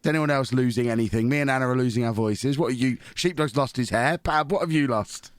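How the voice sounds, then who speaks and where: Hoarse man hosting a podcast. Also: mid-range voice, fast talker, no room sound. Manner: cheeky, teasing. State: losing his voice, hoarse. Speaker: podcast host. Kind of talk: casual chat.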